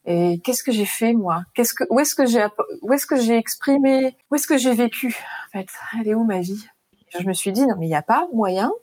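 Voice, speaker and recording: A woman's voice: a little high, lively intonation, fairly quick, darkish tone. A woman in her thirties, an author being interviewed, talking in a thoughtful, searching way with frequent restarts, and reading a passage from her book. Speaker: author guest.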